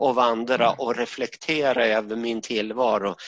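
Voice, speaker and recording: Recorded with a dry, close sound with no echo, a man talks at a fairly slow pace and a medium pitch. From Sweden, Västerås. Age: 60s. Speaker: podcast co-host. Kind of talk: casual conversation about spirituality. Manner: hesitant, many fillers.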